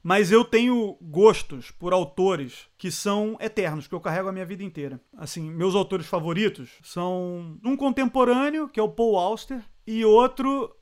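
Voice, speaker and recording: A man, a sports journalist chatting as an interview guest. He is animated, laughs often and drops words from other languages. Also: high-pitched, moderate pace, hardly any pauses. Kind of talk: casual interview chat.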